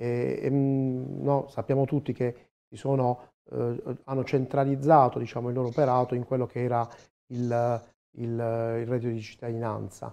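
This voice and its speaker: The man talks at a moderate pace in a flat, monotone delivery, his tone dark and mellow, with long, frequent pauses. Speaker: labour law professor and lawyer. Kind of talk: TV panel discussion. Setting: studio. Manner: halting. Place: studio. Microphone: lapel.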